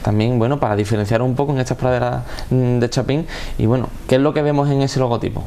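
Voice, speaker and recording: A young man hosting a local TV interview in a studio, asking brisk questions into a lapel mic. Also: mid-range voice, steady tone, vocal fry, warm tone. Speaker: TV host.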